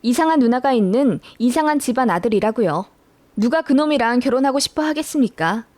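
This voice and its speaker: Woman narrator, high voice, dry close recording, expressive first-person storytelling. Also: a little fast, no echo. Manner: expressive storytelling, indignant retelling. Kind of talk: scripted narration of a listener's story.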